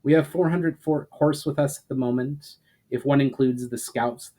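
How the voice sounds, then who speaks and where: A man's voice: lowish voice, darkish tone, natural voice, rough recording. A businesslike male tribal warrior from a fantasy storybook , read by a male narrator. He reports in a formal, orderly way.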